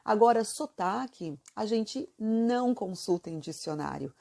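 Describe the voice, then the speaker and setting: With a medium-pitched, animated voice that's a little mellow and has vocal fry, a Santa Catarina woman from southern Brazil gives a chatty Italian video lesson at a measured pace. She's full of fillers and keeps asking the viewer questions.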